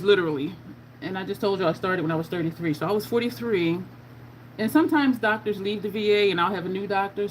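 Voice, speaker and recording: A frank, talkative woman in her fifties chats as she applies makeup, her voice sitting at a middle pitch. A faint hiss of background noise runs under her easy, candid talk. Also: rough recording. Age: 50s. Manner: candid, chatty, reading viewer comments aloud. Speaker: makeup vlogger. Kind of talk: casual chat while doing makeup.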